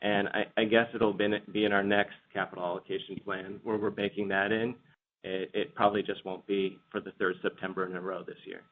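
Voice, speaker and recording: A man answers as a finance executive on an earnings call, often doubling back on words. His voice is low with very little movement in pitch. The line is phone-like, with faint noise behind it. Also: little pitch movement, brisk.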